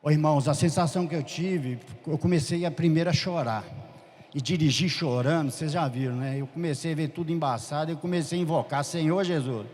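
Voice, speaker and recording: A man tells a fervent church testimony, acting out the voices in his story. His voice sits a little high, and a long hall reverb trails after each phrase. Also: a little fast, a little hiss or hum. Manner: storytelling, lively quoted dialogue, fervent. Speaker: church member giving testimony.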